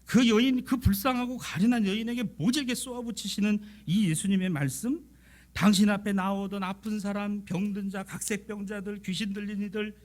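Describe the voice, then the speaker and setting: High-voiced male pastor preaching with passion. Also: steady tone, normal speed. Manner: impassioned preaching that acts out the voices of biblical figures; swings between soft, near-whispered lines and loud, emphatic ones. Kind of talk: sermon.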